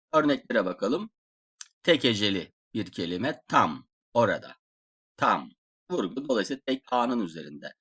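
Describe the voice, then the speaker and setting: A man giving a slide-based language lesson, explaining slowly and repeating example words aloud. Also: medium pitch, a bit bright, husky. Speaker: Russian language teacher.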